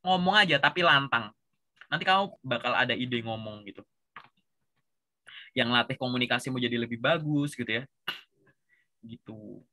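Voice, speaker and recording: A man with a Javanese accent giving a relaxed, chatty coaching session and tagging his sentences with filler words. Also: mid-range voice, normal speed, long pauses, a little hiss or hum. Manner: relaxed, chatty, says "gitu" constantly. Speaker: career coach.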